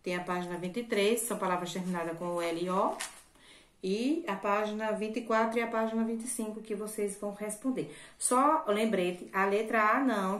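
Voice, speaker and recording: A woman's voice: medium pitch, fairly bright tone, echoey room. A woman teacher from Brazil, patiently explaining a lesson to children and often checking in with them. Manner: patient, repetitive, checks in with "certo?". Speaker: primary school teacher. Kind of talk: recorded remote lesson for children.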